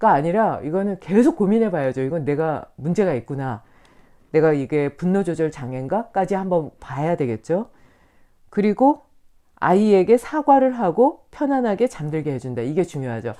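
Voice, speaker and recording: Korean woman, mellow voice, lively talk. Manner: conversational, acts out inner voices with sudden lifts in pitch. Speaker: meditation and yoga teacher. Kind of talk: live-stream talk on emotions.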